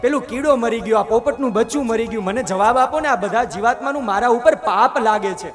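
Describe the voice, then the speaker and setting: A man's voice: extremely high pitch, fairly quick. A man voicing an anxious, pleading male divine sage. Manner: pleading, fretful storyteller's voice. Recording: long hall echo with music.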